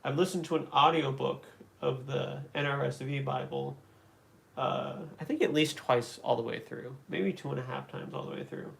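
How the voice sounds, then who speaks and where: A man's voice: mid-range voice, normal speed, creaky, a bit bright. A man hosting a livestream, chatting casually and answering comments, rambling with many fillers and restarts. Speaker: livestream host answering chat.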